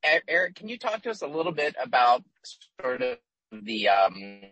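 A man asking a question over a remote call, his audio choppy and cutting out, speaking haltingly as he searches for words. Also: fairly high pitch, wildly swooping pitch, creaky, bright, forceful tone, husky, dry recording, rough recording. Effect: audio cutting out, choppy and glitchy. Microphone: remote video call audio.

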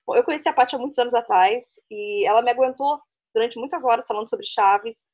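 A rapid-fire woman co-hosting a chatty podcast, her voice sitting a little high. She laughs easily and keeps the talk rolling. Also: a little mellow, lo-fi sound. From Brazil. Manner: chatty, laughs often, fast-talking. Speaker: podcast co-host. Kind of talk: casual chat.

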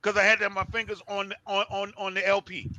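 Brief: high, very bright-voiced man, an emphatic storyteller, recorded dry. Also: flat delivery, fast, dry recording. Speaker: guest, former DJ. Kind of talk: casual chat.

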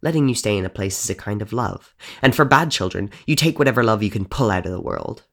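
A man's voice: fairly low pitch, expressive, fast, a bit bright. A man voicing a wicked little ghost girl in a bedsheet, speaking in a bossy, coaxing way in a storybook reading. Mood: cooing.

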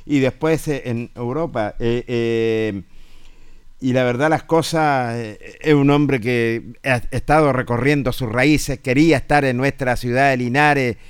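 A man with a Chilean accent co-hosting a casual sports radio show, speaking haltingly and repeating himself. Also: mid-range voice, steady tone, clear, resonant tone, no room sound, clean studio sound.

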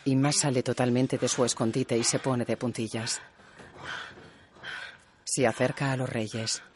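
A man calmly narrating scripted audio description for a film. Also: medium pitch, unhurried, background noise. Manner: calm, even narration.

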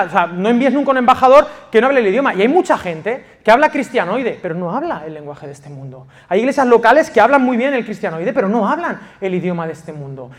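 A man from Spain preaching a passionate sermon as pastor of a church, swinging from loud emphasis to quiet intimacy. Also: extremely high pitch. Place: church in Valencia.

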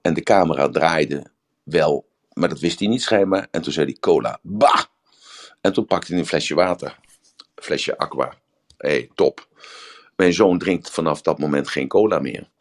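Older male group leader, voice extremely low, rambling and anecdotal delivery. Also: moderate pace. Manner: rambling, searching for words, with anecdotes. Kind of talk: casual talk.

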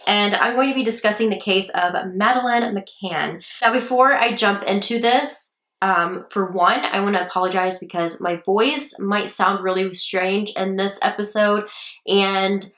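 A woman's voice: mid-range voice, fairly even intonation, unhurried, a bit bright. Chatty young woman in an echoey room. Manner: chatty, rambling with fillers. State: coming down with a cold. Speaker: podcast host. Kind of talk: casual true-crime chat.

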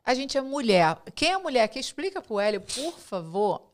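A woman's voice: a little high, very animated, normal speed. Playful woman in her forties. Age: 40s. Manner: playful and teasing. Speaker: co-host. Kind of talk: casual live-stream chat.

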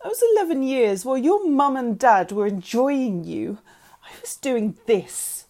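Desperate, emotional mum played by a woman for audiobook dialogue, higher register, intense and expressive. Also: normal speed. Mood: anguished. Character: anguished birth mother, desperate, pleading, emotional. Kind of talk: dramatised audiobook character dialogue.

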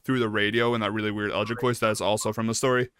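A man's voice: fairly low pitch, flat delivery, racing, a bit bright. A man chatting casually as a co-host reviewing a film, emphatic and given to repeating words. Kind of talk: casual chat.

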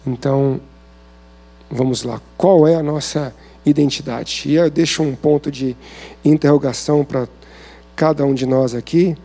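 A man's voice: fairly high pitch, steady tone, a little slow, dark tone. A man with a Brazilian Portuguese accent giving an informal sermon at a men's service, talking conversationally and asking many rhetorical questions.

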